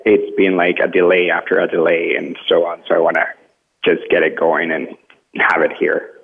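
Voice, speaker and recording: A man from Colombia calls in over a tinny phone line. His voice is very deep and gravelly, with a husky edge. He talks hesitantly and laughs often. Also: completely flat delivery, moderate pace. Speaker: caller. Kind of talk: casual call-in chat.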